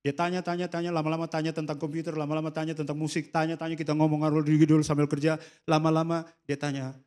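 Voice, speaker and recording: A man's voice: fairly high pitch, flat delivery, fast talker. A man with an Indonesian accent preaching a sermon, telling a personal story and slipping English phrases into his talk. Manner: storytelling, mixing in English phrases, acting out quoted dialogue softly. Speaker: pastor. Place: church service hall.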